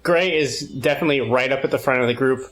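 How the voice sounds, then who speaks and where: A man's voice: mid-range voice, quick pace, fairly bright tone, poor audio. A man playing a tabletop game, casually describing his character and often stopping to search for words.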